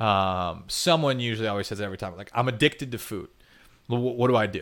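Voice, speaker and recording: This man has a plain, everyday voice, medium in pitch with ordinary pitch variation. The recording is very clean, with a silent background. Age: 30s. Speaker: weight loss success story. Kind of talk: casual chat.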